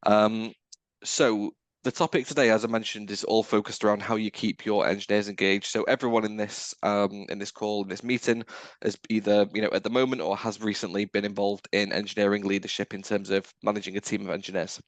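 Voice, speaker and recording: A man hosting a roundtable over a video call. His voice sits fairly low with a close, dry sound, and he works his way through questions in a friendly, rambling way. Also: little pitch movement, fairly quick, no echo. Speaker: podcast host, recruiter.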